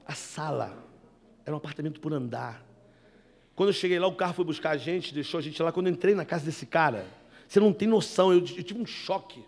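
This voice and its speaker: High-voiced preacher man. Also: fast talker, creaky. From Brazil, Rio de Janeiro. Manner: animated, storytelling, addresses listeners as brothers. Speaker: evangelist giving testimony. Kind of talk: sermon testimony. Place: indoor meeting room.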